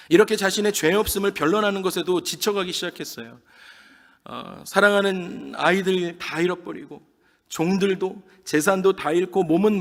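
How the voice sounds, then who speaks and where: Man preaching a dramatic sermon, high voice, long echoey church hall sound. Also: fairly bright tone. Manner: dramatic, emphatic preaching that acts out quoted speech. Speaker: pastor. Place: church sanctuary. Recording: long reverb of a large hall.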